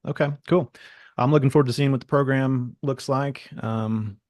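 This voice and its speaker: Male host for a tech fireside chat; informal, meandering, mid-pitched, very little room sound. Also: fairly even intonation, normal speed, darkish tone, dry recording. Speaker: webinar host. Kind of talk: casual fireside chat interview.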